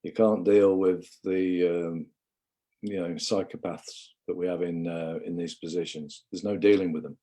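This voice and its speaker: A man's voice: low voice, steady tone, moderate pace, warm tone. A man from England giving a rambling, impassioned livestream monologue, often calling viewers "guys".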